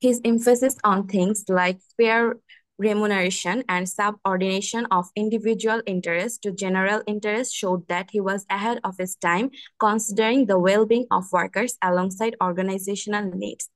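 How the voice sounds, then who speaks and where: A woman with a Bangladeshi accent reads out a prepared speech in English. She goes very slowly and keeps one even level throughout. The sound is dry, with no room echo. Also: mid-range voice. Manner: flat, even intonation. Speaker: student giving a speech.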